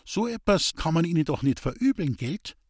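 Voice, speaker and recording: Guy putting on a tired old bavarian village woman, plaintive and bitter, higher voice, dry sound. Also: big pitch swings, moderate pace, slightly rough, no room sound. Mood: weary, bitter. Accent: Bavarian dialect.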